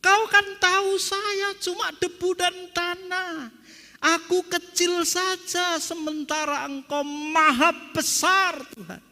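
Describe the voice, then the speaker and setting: A man's voice: very high-pitched, sharp tone, voice pushed up, exaggerated voice. A man preacher voicing Job as a humble, suffering old man pleading with God, heard with a long church reverb.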